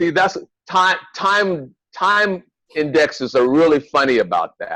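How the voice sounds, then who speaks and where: With an American accent, a man talks in a raised, projected voice at a high pitch. His intonation is lively, his pace very slow, with long, frequent pauses. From North Carolina. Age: 60s. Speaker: martial arts instructor. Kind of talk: interview conversation.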